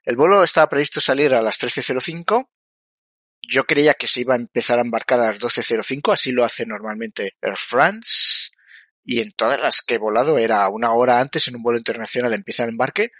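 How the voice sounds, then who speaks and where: Male travel vlogger, casual explanatory narration, mid pitch, dry close sound. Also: a little fast, a bit bright, no room sound. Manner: conversational, explanatory. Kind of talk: casual narration of a flight trip.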